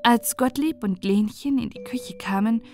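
A woman's voice: fairly high pitch, unhurried. A woman reading a scripted storybook tale as a narrator, in a bedtime audiobook style. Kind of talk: scripted storybook narration for relaxing and falling asleep. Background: music.

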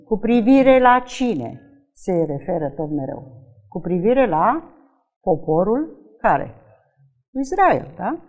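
A woman leading a Bible study lesson, reading verses aloud slowly and with emphasis, and quizzing her group with frequent questions. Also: medium pitch, very animated, a little mellow, muffled recording. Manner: slow, emphatic reading of scripture.

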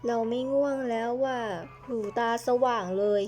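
Brief: a chatty woman running a game role-play, fairly high voice, faint music under her. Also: normal speed, a little mellow. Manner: chatty, switching between characters.

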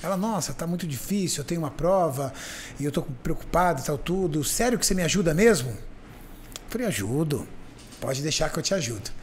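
A man's voice: on the high side, fairly quick, slight background noise. A man hosting a podcast, telling a story in casual chat and acting out the voices of the people in it. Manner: animated, acts out the voices in his stories. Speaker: podcast host.

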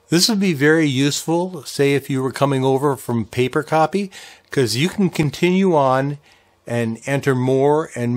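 A man in his sixties hosting an informal ham radio software tutorial, explaining things patiently step by step in a folksy way. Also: medium pitch.

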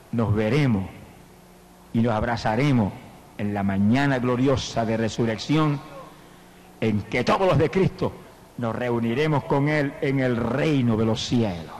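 A male evangelist preaching a fervent sermon with an altar call, swinging from hushed tones to loud exclamations. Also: medium pitch, normal speed, a little hiss or hum.

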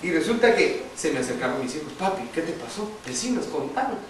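A man's voice: fairly high pitch, big pitch swings, fairly quick. A middle-aged man preaching and telling a personal testimony to a congregation, chatty and full of questions to the crowd. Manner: conversational, asks the congregation questions, tells a story with laughs. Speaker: lay preacher. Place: church hall. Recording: echoey hall, distant mic, background noise.

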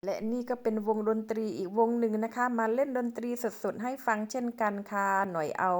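A woman's voice: a little high, fairly quick, a little mellow. A middle-aged woman from Thailand, narrating her travel clips as a voice-over in a chatty, polite way, speaking to viewers as friends. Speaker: vlogger.

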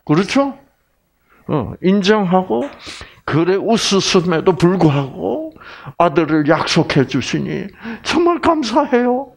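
Animated man giving a Bible lecture. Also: sits high, slow, vocal fry. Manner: animated, teasing, asks audience questions.

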